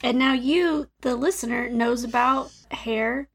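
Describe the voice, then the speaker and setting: High-pitched woman, podcast co-host, playful dramatic storyteller. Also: a little slow, husky. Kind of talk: casual chat.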